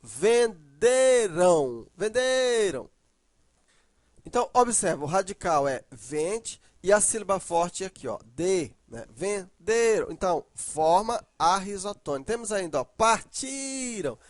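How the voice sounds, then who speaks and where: A man's voice: high-pitched, lively intonation, moderate pace, hardly any pauses, no room sound. A man teaching a grammar lesson, explaining patiently and stressing syllables aloud with frequent tag questions.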